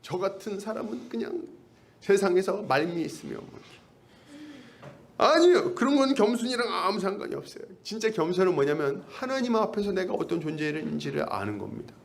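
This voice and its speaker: A male pastor delivers a sermon in a chatty tone, often asking the congregation rhetorical questions. His pitch sits a little high for a man and moves up and down a lot, and he slips into acted-out snippets of everyday talk. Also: very animated, fairly quick, creaky, slight background noise. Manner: conversational, acts out little dialogues.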